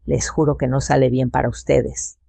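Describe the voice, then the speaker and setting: Stern older guardian, low and gravelly as a narrator reads him. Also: female voice, very animated, takes it slowly, dark tone, dry recording, heavily acted. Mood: commanding. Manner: firm, almost military. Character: older man, calm commanding protector.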